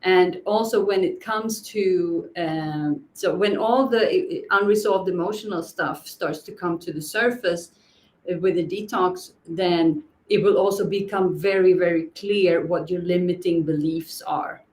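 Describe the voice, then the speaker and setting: A woman's voice: fairly low pitch, unhurried, darkish tone. A woman teaching a live wellness masterclass, hesitant and searching for words as she explains. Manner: hesitant, many fillers and restarts, searching for words. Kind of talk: unscripted live teaching talk. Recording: echoey room.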